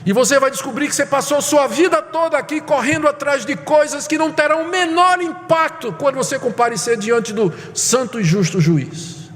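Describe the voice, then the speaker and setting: A man's voice: very high voice, a little fast, few pauses, a bit bright. A man preaching a sermon, emphatic and urgent, repeating phrases for weight. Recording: hall reverb.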